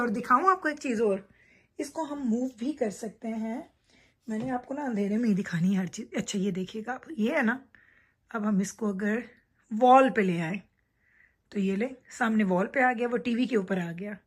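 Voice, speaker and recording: Holding her phone indoors at night, a vlogger walks viewers around her bedroom. Her voice sits on the high side, a bit bright with a breathy edge, at a moderate pace. She keeps it chatty, talking directly to her audience while showing items.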